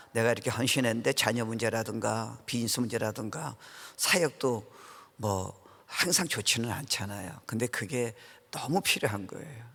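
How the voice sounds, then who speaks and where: A man's voice: medium pitch, creaky, a bit bright, husky. A middle-aged man preaching a conversational revival sermon as a guest pastor, informal and earnest, often putting questions to the congregation. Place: large church sanctuary, preaching to a congregation. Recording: reverberant church hall sound.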